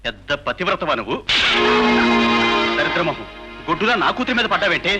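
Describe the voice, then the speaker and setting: A man's voice: fairly high pitch, big pitch swings, brisk, over loud music. An actor playing a jealous drunken young husband who taunts and threatens his wife in a dubbed film. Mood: scornful.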